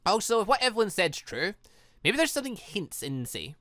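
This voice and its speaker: A man's voice: high-pitched, sing-song, fairly quick, pushed and bright, no room sound, clean studio sound. A man giving rambling commentary on a visual novel game, exclaiming and breaking off mid-sentence. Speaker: gaming channel host, let's player.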